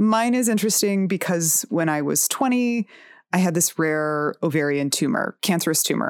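A woman's normal speaking voice, fairly low in pitch, at a moderate pace, with lively intonation and very even loudness, dry and close with no echo, on a very clean recording with a silent background. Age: 40s. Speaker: podcast host. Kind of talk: solo monologue.

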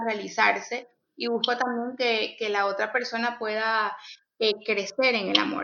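A woman with a Venezuelan accent speaks at a fairly slow pace. Her pitch is fairly high, with ordinary variation. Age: 20s. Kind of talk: casual chat. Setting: online video recording.

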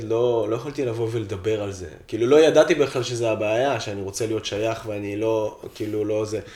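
Audible room echo surrounds a man speaking at a moderate pace and medium pitch. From Belarus, immigrated to Israel at age 6. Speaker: podcast host. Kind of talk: casual conversation interview.

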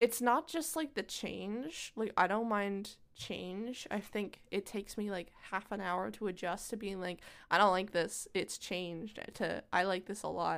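The speech unfolds at a fairly slow pace with ordinary pitch variation. The recording is very clean, with a silent background. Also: woman, medium pitch for a woman. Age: 20s. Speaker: podcast co-host and streamer. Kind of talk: casual chat.

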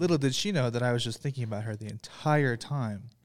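Delivered at a fairly quick pace, a normal speaking voice shows ordinary pitch variation. The background is silent and the recording very clean. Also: man. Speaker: guest. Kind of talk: casual chat.

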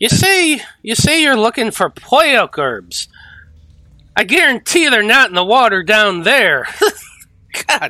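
A put-on character voice with a fairly high pitch moves at a fairly slow pace with long, frequent pauses. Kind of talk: gruff, haggling fantasy voice. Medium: actual play. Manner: wry, bargaining.

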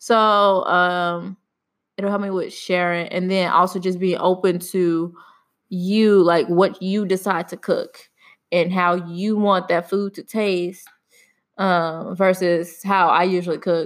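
A woman speaks at a medium pitch, very slowly, in a flat monotone, on a very clean recording with a silent background. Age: 20s. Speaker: podcast co-host. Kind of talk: casual chat. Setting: at home, late at night.

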